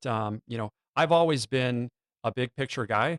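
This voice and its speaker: A man at medium pitch, with a dry, close sound with no echo and a quiet background. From Utah. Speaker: chief economist. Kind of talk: interview. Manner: halting, many fillers and repeats.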